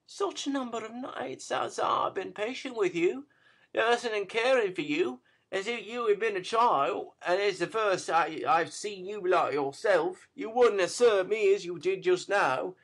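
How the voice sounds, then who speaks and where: A man voicing a weary young woman in a storybook reading, speaking with soft, pleading tenderness. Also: high voice, measured pace, voice pushed up, exaggerated voice.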